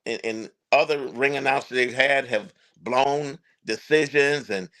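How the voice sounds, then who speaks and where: A middle-aged or older man talks as a guest on an interview show. He is a ring announcer telling stories in a conversational way. He leans on key phrases and repeats them for emphasis, at a medium pitch. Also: a little slow, a bit bright.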